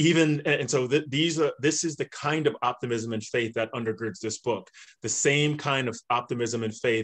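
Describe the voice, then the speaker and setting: At a moderate pace, with ordinary pitch variation and an American accent, a plain, everyday voice speaks against a quiet background. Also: man. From North Carolina, US South. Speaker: author and navy officer. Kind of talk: video call book discussion. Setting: online video event.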